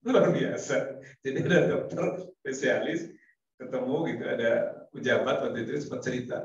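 A male preacher speaks to his congregation in a relaxed, chatty way. He laughs often and acts out conversations. The recording comes from far off in a heavily echoing hall and sounds dull. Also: medium pitch, normal speed. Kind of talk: casual sermon to a congregation. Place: mosque hall.

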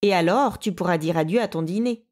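A woman's voice: on the low side, brisk, darkish tone, natural voice. A woman voicing a big, gullible male bear who scares easily, with fussy, nervous exclamations. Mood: friendly.

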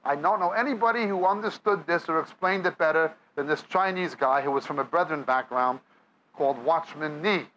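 A man's voice: a little high, a little fast, bright, forceful tone, muffled recording, slight background noise. A man with a New York accent preaching a sermon, reading scripture aloud and then explaining it to a live audience. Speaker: Bible teacher. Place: church or meeting hall with audience.

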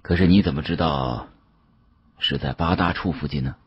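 A man voicing a genial, shrewd older government director in an audiobook, unhurried, probing and patronising. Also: a bass voice, slightly rough, dry recording, lo-fi sound, exaggerated voice.

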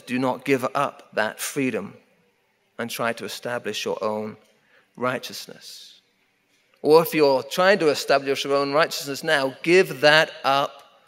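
Middle-aged male preacher, mid-pitched, emphatic and repetitive, long reverb of a church sanctuary. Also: a bit bright. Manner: emphatic, repeating key phrases, slowing down for weight. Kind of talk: sermon. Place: church sanctuary at a wooden pulpit. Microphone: pulpit microphone.

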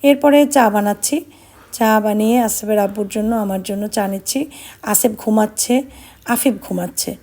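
A middle-aged woman from Bangladesh narrating her vlog in a soft, subdued, reflective way, sounding sad and tired. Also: mid-range voice, moderate pace. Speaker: vlogger.

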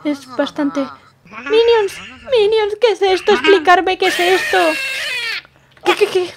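Woman playing a skittish, stuttering young woman with a very high voice, improvised game roleplay. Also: slow, noisy background, full character voice. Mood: jittery, flustered. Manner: stammering, repeats words when startled. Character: jumpy young woman, easily frightened and fussy. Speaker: roleplay channel host.

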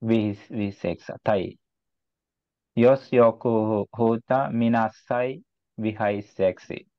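Beginner finnish learner, halting and unsure, dry muffled call sound. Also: mid-range voice, steady tone, dry recording. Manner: halting, hesitant, many restarts. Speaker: language learner. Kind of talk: online language lesson.

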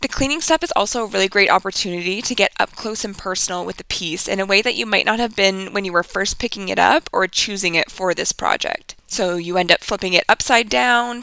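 Woman doing a friendly pep-talk style how-to podcast, bright voice w some vocal fry. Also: mid-range voice, no room sound. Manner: encouraging, chatty, informal pep talk. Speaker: podcast host and DIY furniture refinisher. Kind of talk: upbeat instructional solo podcast.

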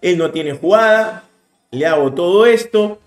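A man in his thirties with a Peruvian Spanish accent, commentating a card game replay in a casual, animated way. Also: high voice, reverberant. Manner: animated, explaining plays rapidly with bursts of emphasis. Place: indoor room, webcam overlay.

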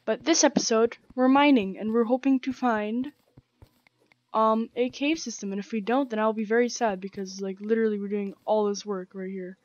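A young woman talks through her gameplay in a casual, rambling way, dropping slang and plenty of ums. Her voice sits a little high and sounds croaky from a sore throat. The recording is dry and slightly dull, close on a headset mic. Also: fairly even intonation, moderate pace, darkish tone, no echo. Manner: chatty, rambling, slangy with many fillers. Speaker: gaming channel host. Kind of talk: casual let's-play commentary. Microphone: gaming headset.

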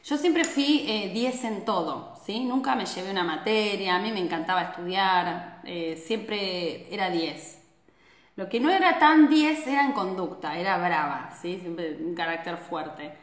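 A woman's voice: medium pitch, measured pace. A woman in her thirties from Argentina with an Argentine Spanish accent, hosting a casual live stream, chatty and full of tag questions, filmed on a phone at arm's length in a small indoor room. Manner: chatty, frequent tag questions, animated hand gestures. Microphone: phone camera at arm's length. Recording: echoey room.

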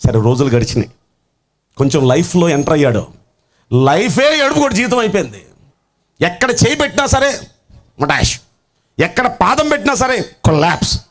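A middle-aged male pastor telling a story in his sermon, in an animated way and mixing in English words. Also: high-pitched, moderate pace, pauses often.

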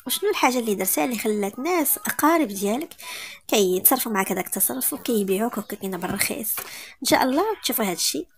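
A woman's voice: fairly high pitch, animated, racing. A woman with a Moroccan accent narrating a romance story and speaking directly to her listeners.

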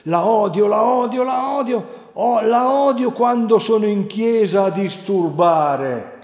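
A man voicing a raging, hateful male demon who rants in a shrill, strained voice. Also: animated, takes it slowly, a little mellow, lo-fi sound, full character voice. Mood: hateful, agitated. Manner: shrill, strained ranting with repeated outbursts. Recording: roomy, reverberant hall sound.

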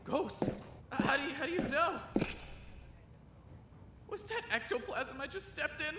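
A woman's voice: sits high, lively intonation, unhurried, heavy background noise. A woman playing a nervous, whiny, naive young sidekick in a comedic audio drama, anxious and stammering. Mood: disgusted.

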